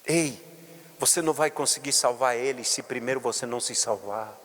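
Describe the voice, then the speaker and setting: A man preaching a sermon as a bishop, swinging from hushed words to shouted pleading. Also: medium pitch, moderate pace. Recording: long reverb of a large hall.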